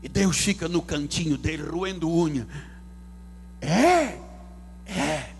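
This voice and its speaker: A man pastor preaches from a church pulpit in a high, lively voice. His delivery is theatrical, leaping between loud declarations and hushed asides. A faint hum runs underneath. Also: takes it slowly, gravelly. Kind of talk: sermon. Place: church sanctuary.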